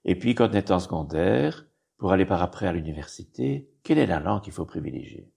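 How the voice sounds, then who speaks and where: Older man, very low voice, gravelly, husky, rambling explainer. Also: lively intonation, brisk, dark tone. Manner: rambling, digressive, with frequent "hein". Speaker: bishop and historian guest. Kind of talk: explanatory interview answers.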